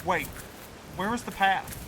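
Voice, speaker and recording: A man's voice: high voice, a little slow, noisy background. An actor playing a sardonic, anxious and loyal young married man in an audio drama, with a blunt, snappy manner. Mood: urgent, irritated.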